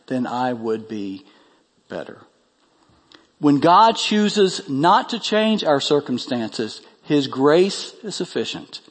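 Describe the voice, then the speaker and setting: A man's voice: medium pitch, in a large hall. A pastor preaching a sermon with earnest delivery, his voice climbing when he reads scripture.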